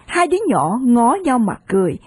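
A woman narrating an audiobook novel in an expressive reading voice. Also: fairly high pitch, brisk, slightly rough, dry recording.

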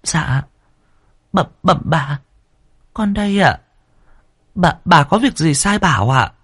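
A man's voice: fairly high pitch, expressive, slow, a bit bright, breathy edge, voice pushed up, full character voice. A man voicing a timid young servant girl who answers in a faint, stammering voice. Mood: frightened.

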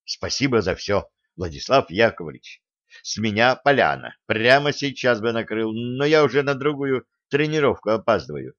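A man's voice: mid-range voice, very animated, normal speed, fairly bright tone, dry recording, lo-fi sound. A man doing a sheepish young student. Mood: apologetic. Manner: mumbling, apologetic.

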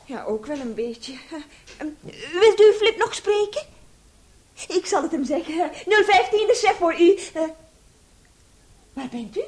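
An actress playing an excitable, indignant woman who has been robbed, in a Dutch radio play. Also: very high-pitched, heavily acted. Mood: flustered relief, then dismayed. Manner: exclamatory, agitated. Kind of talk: Dutch radio drama acting.

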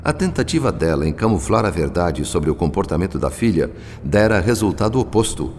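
Narrator brief: Brazilian man, low register, dramatic varied intonation, formal and solemn, hall reverb. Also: big pitch swings, fairly quick, darkish tone, a little hiss or hum. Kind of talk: dramatic scripted radio narration. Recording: long hall reverb, music behind.

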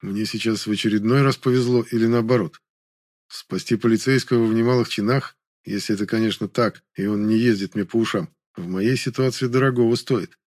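A man narrating a first-person audiobook in a calm, even reading manner. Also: lowish voice, a little fast, dry recording, studio quality.

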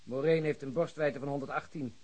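An actor playing a sceptical police detective with dry, sardonic remarks in a radio play. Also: male voice, mid-range voice, steady tone, brisk, darkish tone, close to an everyday voice. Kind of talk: Dutch radio drama acting.

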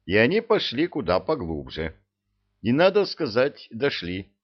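A man's voice: mid-range voice, wildly swooping pitch, measured pace, muffled recording. A man narrating a comic storybook tale with a wry, humorous manner.

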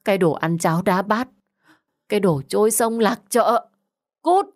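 A woman voicing a harsh, quick-tempered middle-aged mother who shouts insults in an audio story. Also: on the low side, expressive, lightly acted. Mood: furious.

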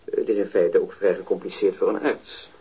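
Mellow, husky, pedantic male doctor, dull tape. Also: low voice, level tone, brisk. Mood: hesitant, dry. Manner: hesitant, pedantic. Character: evasive, pedantic male physician, dryly cautious. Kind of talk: radio drama dialogue. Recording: dull taped playback.

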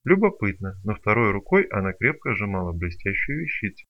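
Guy reading an audiobook, lively swings in pitch, muffled lo-fi sound. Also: fairly quick. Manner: expressive storytelling. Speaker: narrator. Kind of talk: audiobook narration. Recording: dull lo-fi recording.

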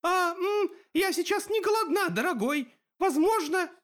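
A man voicing a timid young satyr who squeals in a high, flustered voice. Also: animated, measured pace, a bit bright, heavily acted. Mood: panicked.

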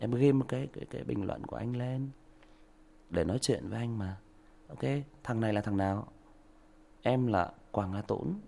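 A man lecturing a commenter during a livestream, sarcastic and scolding, with sudden loud outbursts. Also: on the low side, moderate pace, gravelly, pauses often. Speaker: livestream story reader addressing a commenter. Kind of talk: livestream rant.

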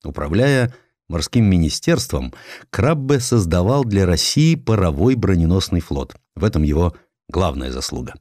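A male narrator with a fairly low voice reads literary prose in a measured, theatrical way. His pitch moves widely and expressively through the phrases. The sound is dry, with hardly any room on it. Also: very animated, a little mellow, no room sound. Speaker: audiobook narrator.

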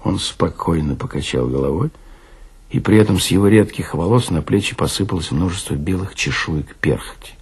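Low, gravelly male storyteller. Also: moderate pace. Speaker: narrator. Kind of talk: dramatic literary storytelling for radio.

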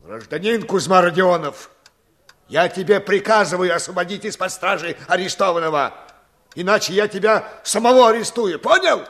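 Cautious, stern village official, radio drama. Fairly high pitch, admonishing, insistent. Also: male voice, moderate pace, a bit bright. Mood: stern, commanding. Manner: urgent, admonishing, authoritative. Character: cautious, commanding village Soviet official, exasperated elder comrade. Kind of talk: Russian radio drama acting.

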